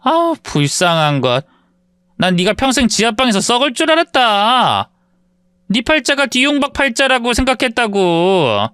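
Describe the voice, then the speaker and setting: A man's voice: very high-pitched, very animated, normal speed, pushed and bright, clean tone, no echo, studio quality, pitched above the performer's own voice, heavily acted. A man doing a sneering female bully. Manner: mocking, condescending, scornful. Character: sneering spiteful woman classmate, bully.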